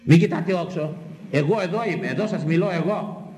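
A man's voice: fairly high pitch, a little mellow, a little hiss or hum. A man, a priest, delivering an impassioned, scolding sermon with sweeping emphatic swings in his voice. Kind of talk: fiery sermon. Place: church hall. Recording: echoey church hall with long reverb.

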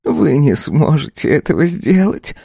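A man voicing a tiny golden ghost servant who calmly and persistently needles his master, speaking in a hushed, drawn-out sing-song. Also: fairly high pitch, vocal fry, slightly rough, no room sound, studio quality, pitched above the performer's own voice, heavily acted. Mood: calmly needling. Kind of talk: audiobook character voice.

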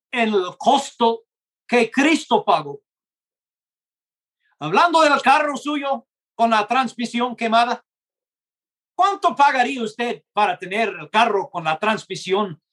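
A man preaching a gospel message in Spanish, which is not his first language, in a slow and earnest way, acting out short dialogues. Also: extremely high pitch, expressive, fairly bright tone. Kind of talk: gospel sermon.

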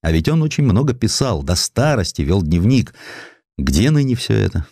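A male audiobook narrator with a low voice tells historical tales in a wry, theatrical storytelling manner. His intonation swings widely from phrase to phrase, and the recording is close and dry. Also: sing-song, normal speed, mellow, no room sound. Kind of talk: expressive scripted narration of historical essays.

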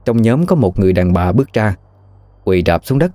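A man narrating a ghost story in a steady, even storytelling manner. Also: lowish voice, fairly quick, no echo.

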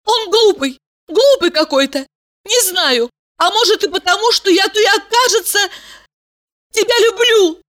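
A woman narrator voicing an impulsive young blonde woman who cries out breathlessly and pleads in a high, strained voice. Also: unhurried, a bit bright. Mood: frantic.

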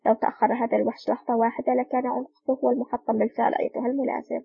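A woman reading the lines of a cold, sharp-tongued male special agent in an audiobook, in a curt, scolding way. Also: very high-pitched, little pitch movement, rapid-fire, vocal fry, slightly rough, muffled recording, exaggerated voice.

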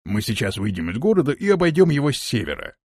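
Husky deadpan guy, pitch swings around a lot, dry close sound, a man puts him on. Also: quick pace, no room sound. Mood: calm. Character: calm, unhurried adult male companion.

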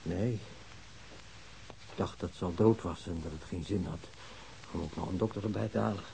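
Browbeaten husband, stammering confession, soft dark tone, confused, radio drama, faint hiss. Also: male voice, sits low, creaky, rough recording. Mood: weary confession. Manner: halting, stammering, hesitant.

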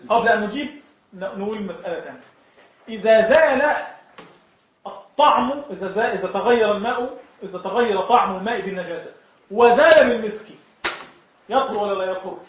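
A man with an Egyptian Arabic accent teaching a jurisprudence lesson to students, explaining step by step and often checking whether the class understands. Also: sits high. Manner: explains point by point, often asks the class if it is clear. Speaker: sheikh teaching Shafi'i jurisprudence. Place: lecture room with students. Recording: echoey, dull lo-fi room recording.

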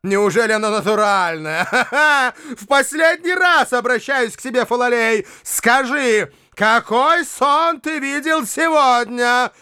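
A man doing a shrill pompous hypocrite. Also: expressive, takes it slowly, pushed and bright, smooth, full character voice. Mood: indignant. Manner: declamatory, indignant, melodramatic. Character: pompous self-pitying male hypocrite, shrill and theatrical. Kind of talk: audiobook reading.

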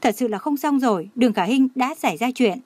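A woman's voice: fairly high pitch, animated, brisk, a little mellow, no echo. A woman voicing an anxious young female assistant reporting urgent trouble. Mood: urgent worry. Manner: urgent, worried.

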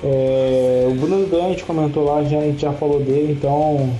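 A young Brazilian man with a Brazilian Portuguese accent co-hosts a podcast, joking around, swearing freely, and laughing a lot. His voice is a little high and dark in tone, with fairly even intonation at normal speed. The home recording is roomy and echoey, with faint guitar music behind.

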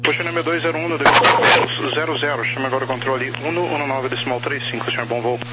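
A man's voice: medium pitch, fairly even intonation, fast. A Brazilian man working as an air traffic tower controller, giving clipped procedural instructions over aviation radio. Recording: very noisy aviation radio transmission.

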